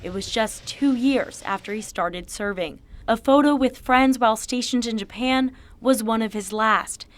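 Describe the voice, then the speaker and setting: A woman's voice: a little high, normal speed, few pauses, dry recording. An American woman reading scripted news narration as a television reporter.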